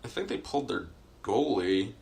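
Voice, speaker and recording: A man's voice: on the low side, sing-song, moderate pace, creaky, darkish tone. A young man co-hosting a sports podcast, talking casually and rambling with many fillers and restarts. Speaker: podcast co-host.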